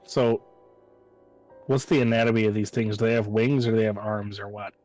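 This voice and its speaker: A man's voice: on the low side, steady tone, fairly quick, a little mellow, low-quality recording. A man playing a tabletop game, chatting casually and thinking aloud about his moves. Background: background music.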